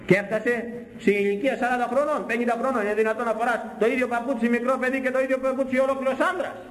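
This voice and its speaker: An older priest from Greece preaching in a high voice that rings through a roomy, echoing space. He repeats his phrases for emphasis and keeps firing questions at the congregation. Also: flat delivery, a bit bright. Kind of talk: sermon.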